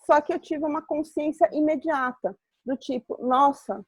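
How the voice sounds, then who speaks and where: A Brazilian woman with a fairly high voice hosts a live webinar over a video call. She explains earnestly and reflectively, drawing on her own experiences. The sound is dry and close, with no room echo. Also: normal speed. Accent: Brazilian Portuguese. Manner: earnest, explanatory, personal examples. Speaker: webinar host.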